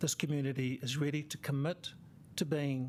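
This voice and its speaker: A fairly high-pitched, somewhat breathy male voice at a fairly slow pace, very cleanly recorded against a silent background. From New Zealand, Māori. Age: 60s. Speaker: community advocate. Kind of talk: public submission speech. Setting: council chamber meeting.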